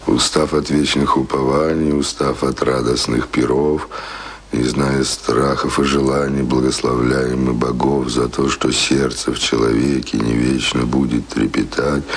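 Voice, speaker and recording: An actor playing a world-weary, brooding writer in a radio play, gravelly and halting as he dwells on his words. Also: very deep voice, slight background noise, full character voice. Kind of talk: Soviet-style radio play acting. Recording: radio play with faint music underneath.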